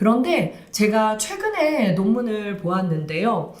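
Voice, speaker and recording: This woman talks at a very slow pace with a fairly high pitch. Her pitch swings very widely. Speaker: interviewer. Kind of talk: interview question.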